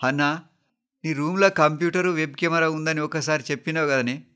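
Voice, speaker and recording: A man playing a hoarse, grieving younger brother. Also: on the high side, fairly even intonation, fairly quick, pushed and bright, pitched above the performer's own voice. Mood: pleading. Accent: Telangana. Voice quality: hoarse from crying. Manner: urgent, pleading.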